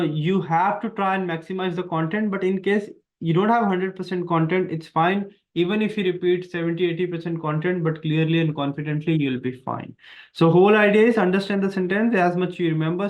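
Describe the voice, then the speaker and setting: A man's voice: high voice, fairly quick. A man with an Indian accent, an exam prep teacher explaining test tasks in an online lesson, speaking emphatically and repeating his key points. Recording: dull lo-fi sound.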